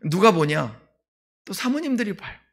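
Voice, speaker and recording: A male pastor preaching a sermon in a conversational way, asking the congregation questions and swinging between loud emphasis and quiet asides. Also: high voice, sing-song, moderate pace, slightly rough.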